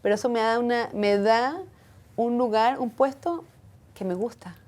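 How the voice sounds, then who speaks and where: A woman with a slightly high, darkish voice speaks at a moderate pace as a guest in a personal interview, earnest and reflective. She comes from outside Israel and has a foreign accent when speaking Hebrew.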